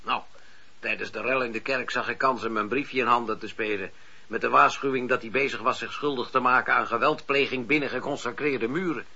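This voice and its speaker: An actor playing a genial, self-satisfied colonel in a period radio drama, with polite gentlemanly talk. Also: male voice, medium pitch, steady tone, fairly quick, breathy edge, exaggerated voice. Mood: confiding. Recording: hissy, dull old radio recording.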